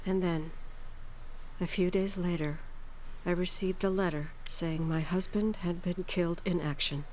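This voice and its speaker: A woman's voice: on the low side, steady tone, unhurried, a little mellow, a little hiss or hum, natural voice. A middle-aged woman playing a tender, wistful foster mother who narrates her memories in a video game cutscene. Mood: reflective, tender.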